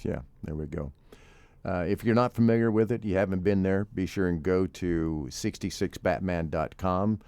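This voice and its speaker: A man's voice: deep voice, moderate pace, darkish tone, clear, resonant tone, no room sound. A man co-hosting a podcast, easygoing as he plugs links and wraps up the episode. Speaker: podcast co-host. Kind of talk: casual chat.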